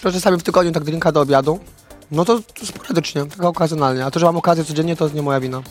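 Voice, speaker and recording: Hoarse, quick-talking male guest. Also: a little high, soft background music. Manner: jokey, boastful. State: hoarse from a cold. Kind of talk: casual chat.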